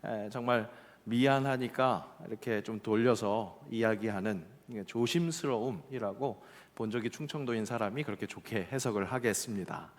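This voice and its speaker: A male pastor from Seoul delivering a Korean sermon, telling folksy stories with acted quotes and slowing down for emphasis. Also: on the low side. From Seoul, South Korea. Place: church sanctuary. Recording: church hall with long reverb.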